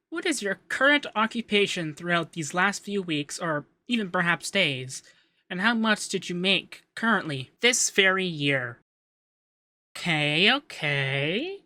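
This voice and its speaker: Man acting a bright-voiced, coy, effeminate young accountant. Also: high-pitched, no room sound, heavily acted. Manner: coy, teasing, lilting, hesitant in places. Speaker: ASMR voice actor. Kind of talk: ASMR roleplay.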